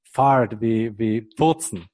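A man's voice: medium pitch, slow, a little mellow, no room sound. A man hosting a language podcast, patiently explaining and rephrasing words for his guest. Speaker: podcast host. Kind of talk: casual interview.

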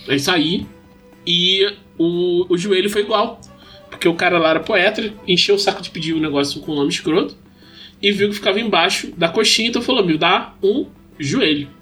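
A high-voiced man talks casually on a podcast. He tells stories with animation and laughs easily. Faint music sits low in the background. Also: fairly quick. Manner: animated storyteller, laughs often. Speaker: podcast host. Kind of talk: casual chat. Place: lives in São Paulo.

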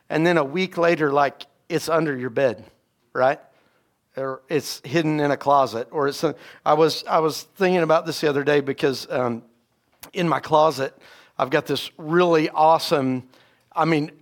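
Associate pastor, man, a bit raspy from a sore throat; conversational sermon delivery, fairly high voice, keeps checking in with "right?". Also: a bit bright. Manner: conversational preaching, frequent "right?" asides and restarts. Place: church sanctuary.

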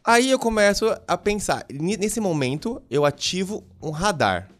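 A man with a Brazilian accent, a podcast guest telling lively stories in casual chat and acting out the dialogues. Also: sits high, unhurried. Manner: animated storyteller who acts out dialogues.

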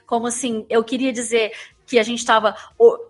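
A Brazilian woman hosting a casual podcast chat, telling stories in a chatty, animated way. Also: on the high side, normal speed. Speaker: podcast host. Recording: music playing behind the voice. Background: background music.

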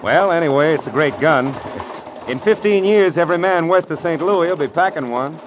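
An actor playing a wry, determined gold seeker who narrates and acts in an old radio Western. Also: male voice, fairly high pitch, moderate pace, noisy background, natural voice. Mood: easygoing, curious. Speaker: narrator and lead character. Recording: dull old radio recording with music.

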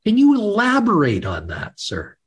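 A male interview host who speaks slowly and emphatically, with large swings between loud and soft. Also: high-pitched, wildly swooping pitch, slightly rough. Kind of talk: interview hosting.

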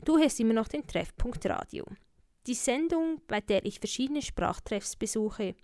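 A woman's voice: on the high side, lively intonation, normal speed, a little mellow, no echo, clean studio sound. A woman hosting a radio programme, reading scripted narration between guests. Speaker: radio host.

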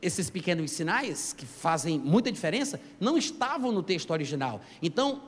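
A high-voiced man preaches in a church hall, his voice trailing off in a long reverb. He teaches scripture in an animated, emphatic way, stopping to call out to the congregation. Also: a little fast, slight background noise. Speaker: pastor. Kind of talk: sermon.

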